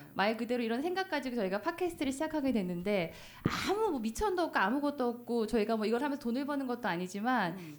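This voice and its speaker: Over noticeable background noise, a woman with a high pitch talks at a very fast pace in a cheerful tone with very wide pitch swings. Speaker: radio DJ and podcast host. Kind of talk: live public podcast recording. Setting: stage with audience. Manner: cheerful, laughing.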